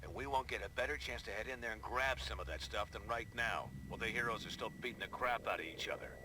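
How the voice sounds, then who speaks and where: An actor playing a blunt, practical covert operative who talks casually in a video game cutscene. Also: male voice, on the low side, quick pace, close to an everyday voice. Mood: tough, practical. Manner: casual, no-nonsense. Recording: clear noise behind the voice.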